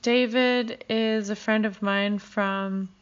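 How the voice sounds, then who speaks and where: Slow-speaking woman co-host. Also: mid-range voice, fairly even intonation, clear, resonant tone, lo-fi sound. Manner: brief, supportive interjections. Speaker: podcast co-host. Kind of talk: casual chat.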